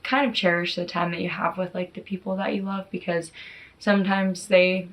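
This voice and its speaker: A woman's voice: on the low side, fairly even intonation, moderate pace, noisy background. A woman in her early twenties chatting casually to her viewers as a vlogger, informal and peppered with filler words like "like" and "you know". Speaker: YouTube vlogger. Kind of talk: casual chatty talk to camera.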